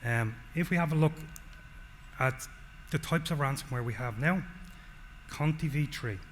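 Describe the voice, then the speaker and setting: A man's voice: a little high, a little slow. Irish man presenting in a hall. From Ireland. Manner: explanatory, frequent "okay?" check-ins. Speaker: solutions engineer presenting. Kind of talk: conference presentation. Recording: long hall reverb, faint noise.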